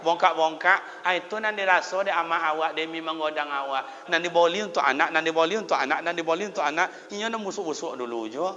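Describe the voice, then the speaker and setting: Male preacher, Minang accent, fairly high and bright, storytelling sermon; muffled hall recording with long reverb. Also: fast talker, hardly any pauses. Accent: Minangkabau Malay. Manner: folksy storytelling, swings between loud exhortation and hushed tones.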